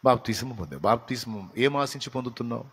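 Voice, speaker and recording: Male pastor, mid pitch; preaching with dynamic swings from soft to forceful; reverberant hall. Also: fast, husky. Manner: lively, swings between soft asides and loud emphatic lists. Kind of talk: sermon. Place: church prayer hall.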